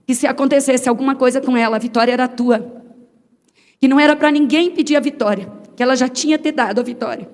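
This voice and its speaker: A woman's voice: sits high, big-room sound. A woman telling her personal testimony as a sermon, acting out the dialogue she quotes as she tells the story. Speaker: testimony speaker.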